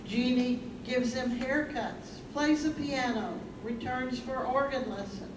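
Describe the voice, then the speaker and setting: A woman performing as a measured, sombre narrator in a staged reading. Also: high voice, fairly even intonation. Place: live staged reading in an echoey room. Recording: roomy, distant, noisy stage recording.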